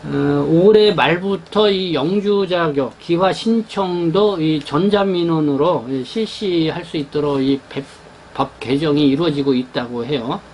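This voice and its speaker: A man presenting his newspaper's pages in an unscripted rundown, talking haltingly with many fillers and restarts. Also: a little high, a little mellow, a little hiss or hum, poor audio. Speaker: newspaper editor presenting the issue.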